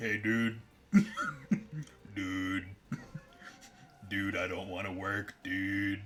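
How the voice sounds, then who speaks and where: In a put-on character voice, a man speaks very slowly with a raspy, fairly low pitch. His intonation stays monotone and flat. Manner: lazy, unwilling.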